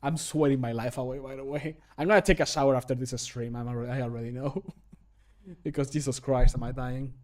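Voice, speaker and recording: A man in his thirties chatting casually and jokily on a livestream, in an animated, self-amused way. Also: medium pitch, fairly quick. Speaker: streamer and hobby game modder recording voice lines. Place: small home room, indoors.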